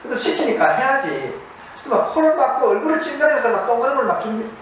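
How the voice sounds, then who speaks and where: Speaking at a quick pace with a very high voice and big pitch swings, a man delivers a monastery sermon. He asks the audience questions and hammers key words through repetition, while the distant mic picks up heavy echo and faint noise.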